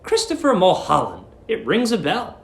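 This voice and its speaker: A man voicing a polite, cheerful and naive young Englishman in a storybook reading, bright and courteous. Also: high-pitched, wildly swooping pitch, normal speed, vocal fry, roomy sound, pitched above the performer's own voice, heavily acted. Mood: musing.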